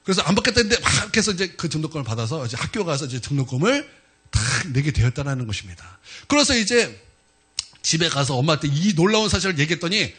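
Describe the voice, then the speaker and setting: A male pastor telling a story in a sermon, animated and acting out the voices of the people in it. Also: fairly high pitch, fast, breathy edge.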